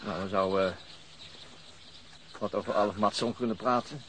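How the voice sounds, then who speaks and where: A man's voice: lowish voice, steady tone, moderate pace, a bit bright, natural voice. An actor playing a wry, self-mocking police detective in a radio drama, dry and sometimes hesitant in his delivery. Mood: polite, hesitant. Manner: dry, sardonic, hesitant when talking. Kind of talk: radio drama dialogue and ironic inner monologue. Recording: noisy radio play with background ambience.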